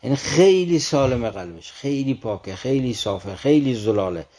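A man talks through classical poetry in an earnest, explanatory manner. He reads each verse slowly and then explains it in plain conversational speech. His pitch sits in a middle range for a man. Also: lively intonation, warm tone. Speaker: literature commentator.

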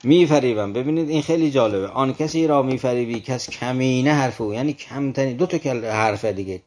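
A man explaining classical poetry in conversation, earnest and patient. He recites verse slowly and then unpacks each line. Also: mid-range voice, a little mellow. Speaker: literature commentator.

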